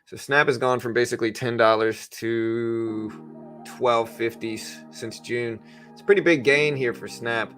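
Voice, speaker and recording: This livestream host, a stock trader, speaks unhurriedly in a steady, fairly bright, medium-pitched voice as he casually chats with viewers about the market and thinks aloud. Music plays in the background.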